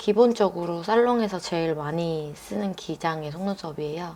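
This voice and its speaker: Her tone is dark and mellow, at a medium pitch for a woman with ordinary variation. She speaks at a fairly slow pace. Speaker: beauty youtuber and lash salon owner. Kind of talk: product tutorial.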